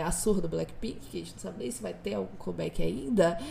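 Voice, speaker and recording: A woman's voice over noticeable background noise. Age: 20s. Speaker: podcast host. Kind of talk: casual chat.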